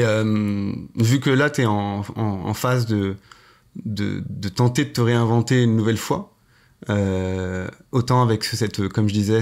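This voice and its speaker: A podcast host conducts a casual interview, asking friendly, informal questions packed with fillers. He speaks with a lowish voice and a darkish tone.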